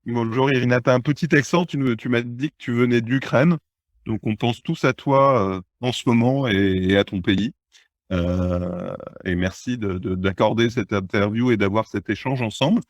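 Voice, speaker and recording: A man hosting a podcast, opening with a scripted intro and then asking a guest questions in a relaxed way. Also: medium pitch, normal speed, no echo. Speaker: podcast host.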